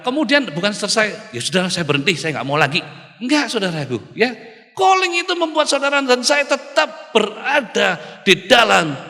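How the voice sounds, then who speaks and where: A male pastor preaching an animated sermon, often calling out to the congregation. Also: sits high. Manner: animated preaching, keeps calling the audience "saudaraku". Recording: reverberant hall.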